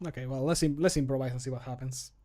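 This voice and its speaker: Here a man in his thirties talks fast and keeps his intonation fairly even, his mid-range voice sounding mellow. He's a streamer and amateur voice actor, casually muttering and poking fun at himself as he works at home on a close desk microphone.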